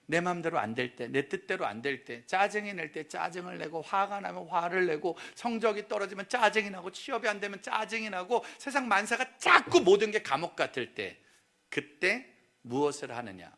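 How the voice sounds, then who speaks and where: A middle-aged male pastor preaching a lively, humorous sermon in a church, teasing and questioning the crowd. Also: high voice, normal speed, vocal fry. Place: church sanctuary.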